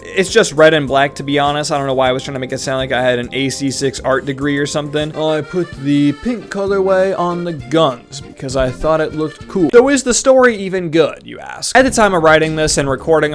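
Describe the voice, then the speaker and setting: A young man narrating a casual, slangy video game review. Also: fairly high pitch. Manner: slangy, informal. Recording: voice-over with music behind.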